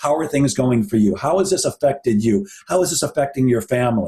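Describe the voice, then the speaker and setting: With an American accent, a man talks at a fairly quick pace in a fairly high pitch, his dark, mellow tone somewhat breathy and his pitch swinging very widely. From US Midwest, Chicago. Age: 60s. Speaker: sales coach. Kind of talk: interview.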